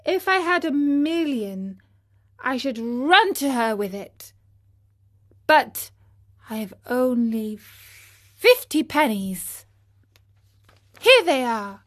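Storybook puppet boy, high and breathless, eager and earnest, as a woman reads him out. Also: heavily acted. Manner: breathless, pleading, rapid questions.

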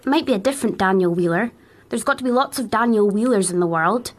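A woman's voice: medium pitch, fast talker, close to an everyday voice. A woman playing a matter-of-fact, tech-savvy schoolgirl with a British accent in a children's radio drama.

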